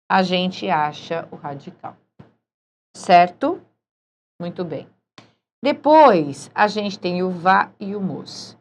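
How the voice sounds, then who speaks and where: Woman teaching grammar, slow and patient, keeps checking the class follows. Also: medium pitch. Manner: patient, checks in with frequent "certo?". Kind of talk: recorded grammar lesson.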